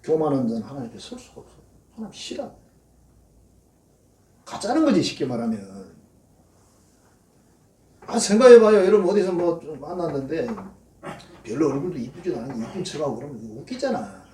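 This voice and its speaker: A man preaching, telling folksy stories and acting out the prayers he quotes. His voice sits fairly high and swings widely in pitch, with a mellow, warm colour. He is heard from a distance in an echoey church sanctuary. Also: very animated, a little fast, long pauses. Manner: folksy storytelling, acts out quoted prayers in a mocking voice. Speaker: pastor. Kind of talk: sermon.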